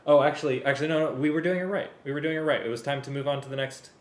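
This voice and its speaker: A man's voice: fairly high pitch, racing. A man reading a script aloud and directing a music rehearsal. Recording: echoey room, loud live string music. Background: loud violin and string music.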